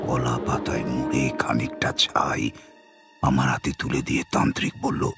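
An actor playing a remorseful man making a halting, anguished confession in a horror radio drama. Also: a bass voice, flat delivery, vocal fry, music in the background. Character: remorseful Bengali elder brother confessing a sinful occult curse.

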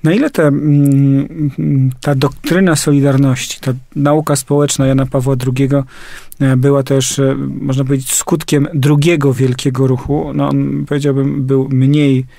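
A man's voice: medium pitch, level tone, a little slow, gravelly, mellow, no echo. A man from Poland hosting an interview, asking thoughtful questions and adding his own commentary with qualifying phrases. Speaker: interviewer host.

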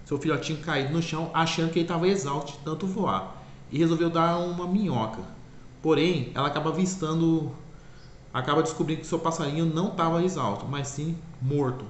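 A man casually retelling a cartoon's plot in a rambling way, often correcting himself. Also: on the high side. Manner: rambling, self-correcting, repeats "é claro". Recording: echoey room, faint ambient noise.

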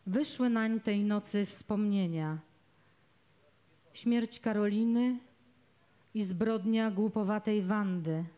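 Slow, dark-voiced woman reading a novel. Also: mid-range voice. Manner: measured, dramatic storytelling. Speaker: reader, actress. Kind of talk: literary reading aloud of a novel. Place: outdoors in a public garden.

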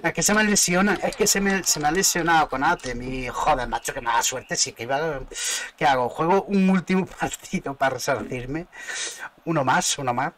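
A man with a Spain Spanish accent commentating his own football video game live, excitable, muttering and cursing at the action. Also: a little high, moderate pace. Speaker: gaming streamer.

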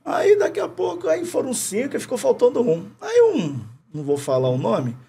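Middle-aged man, Carioca accent, gravelly raspy voice, animated slangy storytelling, podcast studio mic. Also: extremely high pitch, moderate pace. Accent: Carioca Portuguese. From Rio de Janeiro, Brazil. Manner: animated anecdote-telling, heavy slang and swearing, laughing often. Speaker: podcast guest. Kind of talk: casual chat, storytelling.

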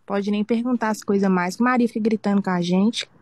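A woman viewer pushing back with quick, defensive questions. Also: mid-range voice, steady tone, darkish tone.

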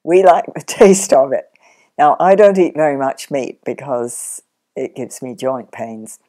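An older woman sheep farmer, chatty and practical, explaining her farm work step by step in a relaxed interview at home. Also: very deep voice, measured pace. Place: sunlit living room, in an armchair.

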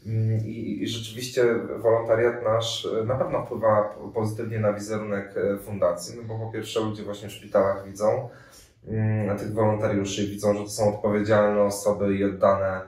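Answering interview questions, this volunteer coordinator in his thirties has a lowish, slightly mellow voice with little pitch movement and a moderate pace. He hesitates a lot, filling and restarting. He is indoors in a room with armchairs and a radiator, recorded by a distant mic in an echoey space.

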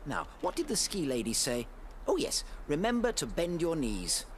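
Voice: mid-range voice, wildly swooping pitch, normal speed, noisy background. An actor voicing a naive, earnest, courteous young bear in a children's cartoon. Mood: mild, polite. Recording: loud music behind the voice.

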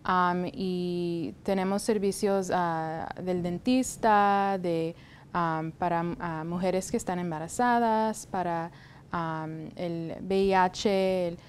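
A young woman from the United States, a health department guest in a studio interview, speaking in a measured way with many hesitation fillers, on a lapel mic. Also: lowish voice, steady tone, a little hiss or hum. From United States (Texas, raised in Florida). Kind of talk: interview answers. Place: TV studio set.

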